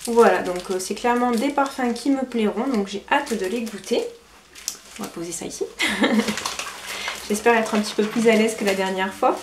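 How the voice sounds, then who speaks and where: A woman vlogger chatting through a casual product review, hesitant with fillers and quick self-corrections. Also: on the high side. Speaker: lifestyle vlogger. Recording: roomy echo, faint background noise.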